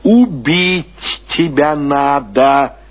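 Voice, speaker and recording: A man's voice: on the high side, drawn-out words, lo-fi sound. A man voicing a harsh, domineering mother who scolds and threatens in a radio reading of a novel. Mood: angry, threatening.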